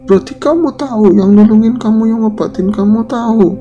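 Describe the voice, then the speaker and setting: A man's voice: high-pitched, brisk, dark tone, muffled recording, pitched above the performer's own voice. A man doing a proud old grandfather. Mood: demanding.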